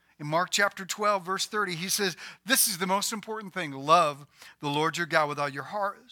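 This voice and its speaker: A shouting man with a high pitch and a bright, sharp tone, at a moderate pace with ordinary pitch variation, in a very clean recording with a silent background. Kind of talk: sermon. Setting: church. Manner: earnest, teaching-style preacher, emphatic with repeated phrases; conversational and interactive, invites the congregation to shout answers.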